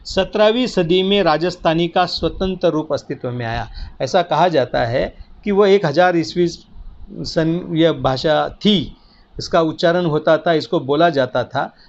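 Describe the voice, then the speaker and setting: A man with a fairly high voice gives a lecture to his students. He explains patiently, repeats key words and keeps checking that they follow. The recording is dull and lo-fi. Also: darkish tone. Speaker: teacher. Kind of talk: spoken lecture. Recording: dull lo-fi sound.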